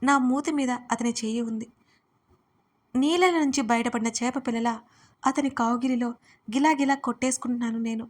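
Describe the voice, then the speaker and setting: A woman's voice: a little high, moderate pace, long pauses. A young woman narrating a first-person audio story expressively. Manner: expressive, pleading in dialogue.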